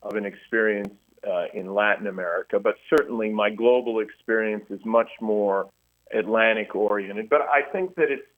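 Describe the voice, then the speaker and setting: A middle-aged man, a historian, speaking earnestly by phone in a radio interview, often restarting his sentences. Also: lowish voice. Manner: earnest, halting with many restarts. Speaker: guest historian. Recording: tinny phone line.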